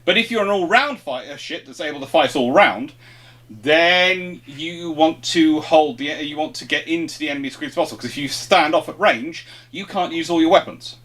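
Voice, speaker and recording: A man's voice: fairly high pitch, normal speed, a bit bright. A man hosting an informal question-and-answer chat, explaining things off the cuff and often rephrasing mid-thought. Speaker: host of a history question-and-answer show.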